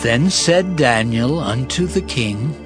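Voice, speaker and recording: A man's voice: medium pitch, lively intonation, slow pace. A man narrating scripture dramatically, in a solemn storytelling manner. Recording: clear music behind the voice.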